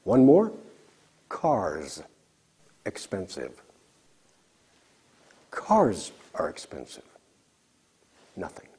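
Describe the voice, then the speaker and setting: A man teaching a recorded English lesson, slowly drilling example sentences for learners to repeat. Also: mid-range voice, a little mellow, breathy edge.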